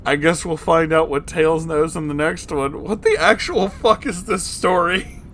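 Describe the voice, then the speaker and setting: A man's voice: fairly high pitch, unhurried, fairly bright tone, slight background noise. A man hosting a comedic reading of fan fiction, breaking off into incredulous, amused asides. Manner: breaks into laughter, exclaims in disbelief.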